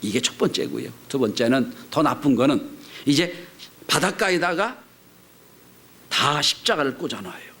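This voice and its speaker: A man preaching a Sunday sermon as pastor, swinging between loud cries and hushed, whispered lines. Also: fairly high pitch, very animated, unhurried, husky.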